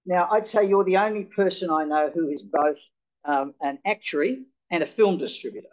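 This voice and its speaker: A man with a slightly raised pitch hosts an event and interviews a guest, friendly but full of fillers. The sound is dull and lo-fi. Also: moderate pace. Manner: friendly, hesitant with many fillers. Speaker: host. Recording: dull lo-fi recording.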